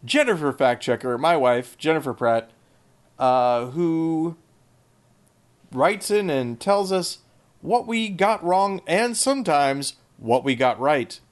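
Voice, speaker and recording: Sarcastic rambling podcast host, higher voice. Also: male voice, expressive, takes it slowly. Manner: dry sarcastic humor, rambling asides. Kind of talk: casual chat.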